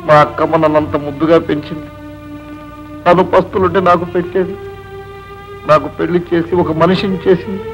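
A man's voice: a little high, steady tone, brisk, long pauses, faint music behind, lightly acted. An actor playing a poor, middle-aged village uncle who mourns his sister in a heavy, lamenting way. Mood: grieving. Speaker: grieving uncle. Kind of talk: 1970s Telugu film acting. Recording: dull old film soundtrack.

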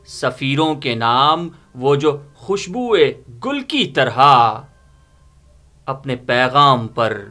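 A middle-aged man giving a dramatic poetry reading in a theatrical, solemn and deliberate manner. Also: medium pitch, bright, forceful tone. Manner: theatrical, solemn, deliberate phrasing with repeated lines. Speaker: poetry reciter. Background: background music.

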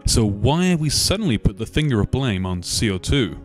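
Measured male documentary narrator. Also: mid-range voice, sing-song, soft background music. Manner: measured, argumentative delivery with rhetorical questions. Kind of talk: scripted narration.

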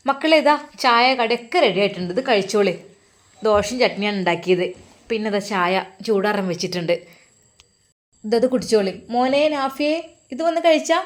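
A woman's voice: medium pitch, expressive, normal speed, natural voice. A woman voicing a loving older Muslim mother who fusses over her children and comforts them. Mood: doting. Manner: doting, coaxing, blessing her children.

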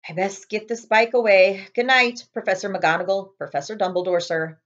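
A woman voicing a huge, shaggy, soft-hearted giant man in a storybook, simple and deferential. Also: medium pitch, steady tone, normal speed, muffled recording, natural voice. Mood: muffled, sad.

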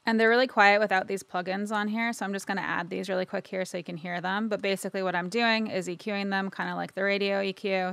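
A woman narrating a casual, informal software tutorial, explaining step by step and checking in as she goes. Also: medium pitch, gravelly, dry recording. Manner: informal, explanatory, frequent "right?" tags. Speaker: audio editing instructor.

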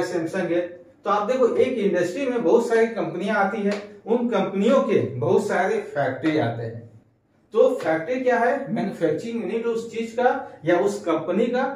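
A man's voice: high-pitched, a little mellow. A young man teaching at a whiteboard in a casual lesson, explaining step by step and answering his own questions. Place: small bright room at a whiteboard, indoors. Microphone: clip-on lapel mic. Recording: very echoey room, voice from some distance.

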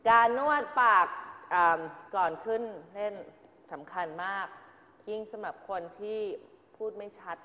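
A woman's voice: mid-range voice, fairly even intonation, a little slow. Woman acting coach in an echoey hall. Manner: direct, corrective feedback to students. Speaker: acting teacher. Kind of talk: drama class coaching. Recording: dull, echoey hall sound.

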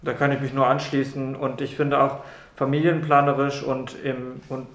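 A man's voice: medium pitch, little pitch movement, moderate pace, fairly bright tone, echoey room. A young man from Brussels, a medical student answering interview questions earnestly and often repeating words. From Brussels, Belgium. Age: young adult. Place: room in a doctor's practice.

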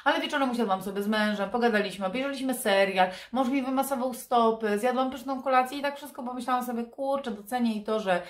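A woman's voice: a little high, fast talker, hardly any pauses, reverberant. A woman in her thirties with a nasal, stuffed-up voice from a blocked nose and sore throat, chatting candidly to camera in a casual vlog. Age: 30s. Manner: candid, confiding. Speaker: vlogger. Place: furnished room indoors. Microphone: camera propped in front of her.

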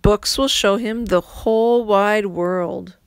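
A woman reading a children's picture book aloud in a gentle read-aloud manner. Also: medium pitch, slow pace, clean tone, no room sound. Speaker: storybook reader.

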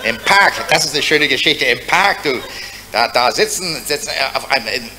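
A man's voice: mid-range voice, animated, bright, forceful tone. A man telling one joke after another as a stand-up comedian, tagging lines with "du" and "hä?". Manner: fast joke after joke, punctuated with "du" and "hä?".

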